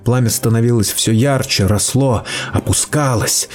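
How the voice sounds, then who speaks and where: Male narrator, mid-pitched, steady storytelling delivery, faint music bed. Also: normal speed.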